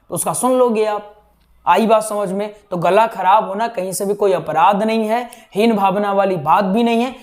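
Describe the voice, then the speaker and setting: A young man with a high-sitting, darkish voice teaches aspiring katha speakers. His teaching talk is conversational, and he keeps checking in with his students by asking "right?"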